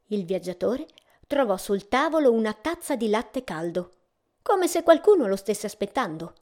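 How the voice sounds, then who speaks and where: Gentle woman reading a fairy tale. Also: a little high. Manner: gentle, measured storytelling. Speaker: storyteller. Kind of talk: storybook narration.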